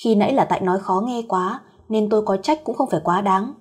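A woman's voice: mid-range voice, quick pace, slightly rough. A woman voicing a feisty, pert young female employee in a fireside storyteller's audio tale. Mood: grumbling. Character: feisty young female employee, grumbling yet polite to boss. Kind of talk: acted dialogue in an audio story.

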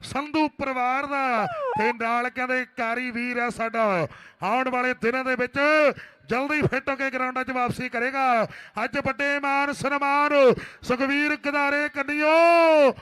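A man delivers live kabaddi commentary in an extremely high, ringing voice. He is rousing and declamatory, dropping rhymes and repeating his calls. The sound is crisp and dry. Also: steady tone, unhurried, sharp tone, no echo.

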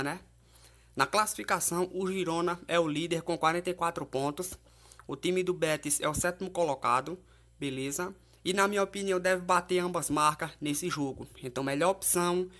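A man's voice: fairly high pitch, a bit bright. A man with a Brazilian accent presenting informal football betting previews as a tipster, in a conversational way with frequent tag questions. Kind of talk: informal match preview and betting tips commentary.

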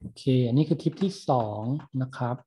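A man's voice: a little high, a little fast, dark tone, breathy edge. A male university lecturer in a recorded online lecture, patiently explaining English words in Thai between clips.

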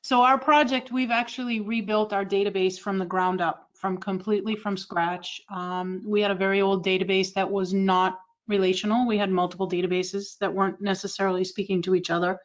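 A woman with a Massachusetts accent reports on her agency's work. Her voice sits at a middle pitch with little rise and fall. The online meeting audio is a little dull. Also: little pitch movement, fairly quick, few pauses. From Massachusetts, United States. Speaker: state agency representative. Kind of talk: informal progress report in a meeting.

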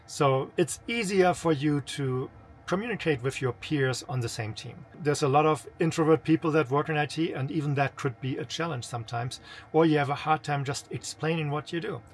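A man's voice: a little high, normal speed, slight background noise. A man in his fifties with a non-native English accent, a senior manager giving informal, explanatory advice to camera in a conversational way. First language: not English. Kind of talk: informal instructional talk to camera. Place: small camper interior.

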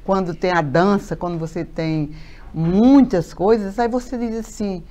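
A woman's voice: medium pitch, unhurried. A woman, a mayor talking animatedly as a guest in a TV studio interview, with many fillers and repeated words. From Paraíba, Brazil. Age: 50s. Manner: animated, gestures a lot, many fillers and repetitions. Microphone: lapel mic.

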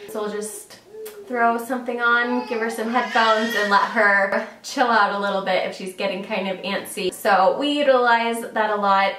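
A young woman vlogger chats casually to camera, sharing travel tips with plenty of fillers. Her voice is mid-range with a fairly bright tone, and the recording sounds roomy, with the mic set at a distance.

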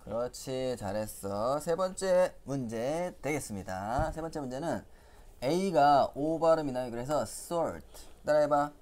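A man's voice: medium pitch, lively intonation, a little slow, a little mellow. A male English vocabulary teacher giving a playful lesson to young children, coaxing them with quiz questions and frequent chuckles.

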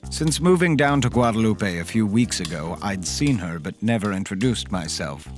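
A man plays a polite, fussy accountant narrating a horror audio drama. His voice is low and his storytelling measured. Soft music runs faintly underneath. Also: lively intonation, close to an everyday voice. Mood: reflective. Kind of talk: scripted first-person horror narration.

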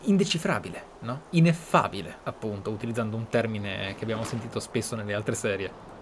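A man's voice: lowish voice, brisk. A man giving reflective, explanatory commentary as host of a role-play gameplay series. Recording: clear background game ambience noise. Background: game ambience.

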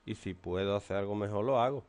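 A man's voice: fairly low pitch, fast talker, darkish tone. A stern man, teaching and lecturing a class in a classroom. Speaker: English teacher.

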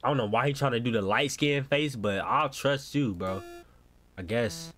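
A man's voice: medium pitch, moderate pace, fairly bright tone, slight background noise. A young American man doing casual, slangy game reaction commentary as a streamer, often exclaiming. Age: young adult. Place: indoor room at home.

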